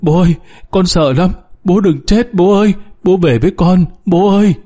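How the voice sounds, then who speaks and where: A man's voice: sits high, normal speed, dark tone, pitched above the performer's own voice. A man voicing a frightened young boy in a story, crying out and pleading for his father. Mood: terrified, pleading.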